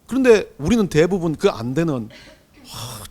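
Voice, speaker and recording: Middle-aged guy pastor preaching in church, high voice, big swings up and down. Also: brisk. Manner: animated preaching with swings between loud and soft. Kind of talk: sermon. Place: church sanctuary.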